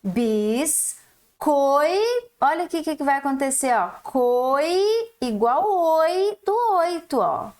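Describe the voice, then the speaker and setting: A woman primary school teacher gives a recorded lesson to young children, explaining slowly and stretching out each syllable. Her voice is high-pitched and darkish in tone, with lively intonation.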